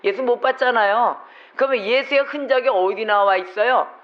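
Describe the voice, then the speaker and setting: A pastor preaching a sermon with emphasis, throwing rhetorical questions at the congregation. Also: male voice, very high voice, moderate pace, muffled recording. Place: church sanctuary.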